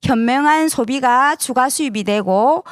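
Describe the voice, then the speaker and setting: A woman's voice: high-pitched, unhurried, smooth, no room sound, clean studio sound. A woman presenting a sales seminar to an audience, persuasive, often asking for agreement with short tag questions.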